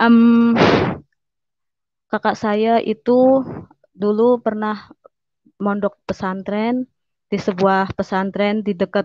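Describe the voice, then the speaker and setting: The delivery comes at a very slow pace with monotone, flat intonation. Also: woman. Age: 40s. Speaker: convert giving testimony. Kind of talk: testimony.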